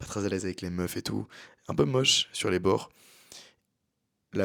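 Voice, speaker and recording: Soft-spoken and fairly low-pitched, this man's voice carries vocal fry. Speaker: podcast host. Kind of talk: casual monologue.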